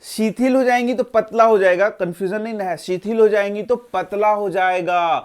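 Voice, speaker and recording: High-pitched guy doing an exam-prep lesson, keeps asking and answering his own questions. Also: fairly even intonation, moderate pace, clean tone. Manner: asks questions and answers them himself; addresses students directly and repeats answers. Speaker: teacher.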